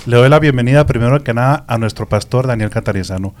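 A man's voice: medium pitch, quick pace, a little mellow. Chatty Christian radio host, a man. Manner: talkative, affectionate, steers the interview.

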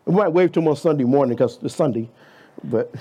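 A man's voice: fairly high pitch, a little fast, mellow, husky. A man in his fifties preaching a conversational sermon in a church, full of rhetorical questions and playful asides. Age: 50s. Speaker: guest preacher.

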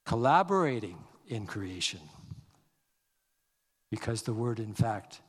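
Slow, measured man preaching in a reverberant hall. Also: fairly low pitch, big pitch swings, slightly rough. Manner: slow, measured delivery, reading scripture aloud with deliberate emphasis. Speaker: pastor. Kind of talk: sermon.

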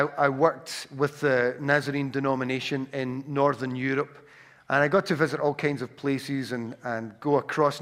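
A man's voice: medium pitch, a bit bright. A man with a Glaswegian accent preaching a sermon, telling personal stories with frequent restarts and repeated words. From Scotland. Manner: anecdotal storytelling with frequent restarts.

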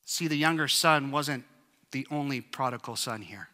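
A male pastor preaching an earnest, measured sermon. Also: medium pitch, bright, forceful tone, long reverb tail.

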